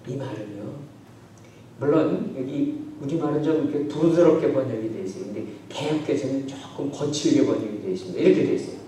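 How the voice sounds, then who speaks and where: A man who is a pastor, preaching a sermon with emphasis and swinging between loud declarations and soft asides. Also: medium pitch, fairly quick, distant mic. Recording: very echoey hall, from afar, faint noise.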